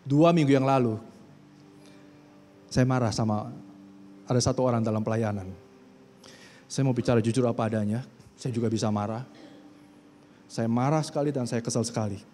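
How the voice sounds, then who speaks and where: A man's voice: medium pitch, fairly even intonation, moderate pace, long pauses, slight background noise. Indonesian man preaching in an echoing church. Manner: conversational, acts out quoted speech, rises to loud scripture reading. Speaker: pastor. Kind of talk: sermon. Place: church hall. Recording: long church hall reverb.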